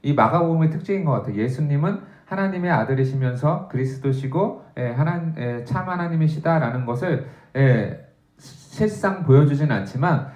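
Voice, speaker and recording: A man's voice: on the high side, darkish tone, echoey room, highs cut off. Man preaching an early-morning sermon. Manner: conversational preaching with frequent "예" fillers; reads scripture aloud with raised emphasis. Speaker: pastor. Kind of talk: dawn prayer sermon.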